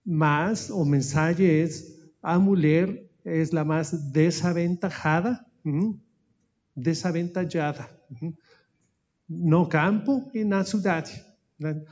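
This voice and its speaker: A man who speaks Portuguese as a second language, with a Spanish accent and Spanish mixed in, gives a formal slide presentation at an anniversary event, pausing often to search for words. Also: a little high, darkish tone. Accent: Spanish-speaking, mixing Spanish into Portuguese. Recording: dull lo-fi audio.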